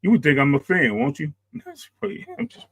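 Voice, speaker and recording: A man chatting casually as co-host on a livestream, telling nostalgic stories in a relaxed way. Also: on the high side, normal speed, husky, dry recording.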